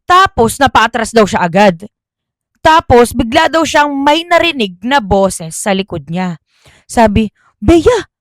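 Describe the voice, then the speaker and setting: Lively, chatty woman telling a ghost story. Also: a little high, unhurried, no echo. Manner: chatty, self-correcting, Taglish. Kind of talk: casual horror storytelling.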